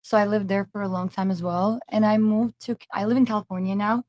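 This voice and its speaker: A woman's voice: mid-range voice, steady tone, fairly quick, darkish tone. A woman of twenty from Italy, a podcast guest explaining her background hesitantly. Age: 20s.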